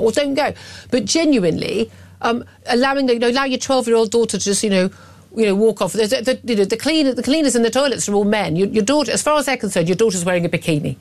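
A woman hosting a talk radio show, speaking emphatically and with sarcasm, full of restarts and asides. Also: mid-range voice.

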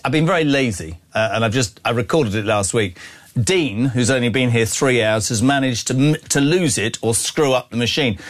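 A man of sixty hosting a breakfast radio talk show, teasing and brash in casual banter. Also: medium pitch. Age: 60s.

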